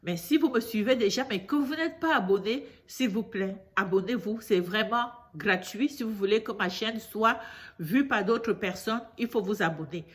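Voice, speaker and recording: A woman with a cold telling a news story to her viewers in a chatty way. She often repeats herself and grows indignant as she lectures. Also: medium pitch. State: congested from a cold. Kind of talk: casual storytelling monologue to camera.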